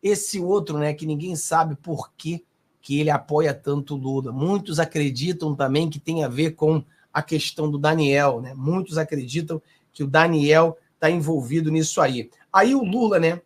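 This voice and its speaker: A man with a Brazilian accent hosting political commentary, animated and sarcastic, talking straight to his viewers. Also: on the high side, normal speed. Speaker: host.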